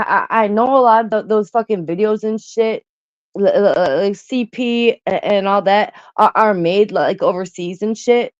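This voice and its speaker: A woman's voice: mid-range voice, a little mellow, no room sound. Woman host stumbling over her words, lots of cursing, dull lo-fi dry audio. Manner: stammering, repeats words, swears a lot. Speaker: host reacting to an interview. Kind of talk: casual reaction chat.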